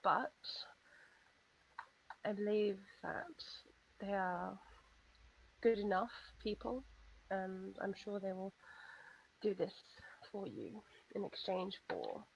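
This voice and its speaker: A woman's voice: mid-range voice, animated, slow pace, creaky, long pauses, dull audio, a little hiss or hum. A woman taking part as a player in an online tabletop game, speaking in a friendly, careful, chatty way.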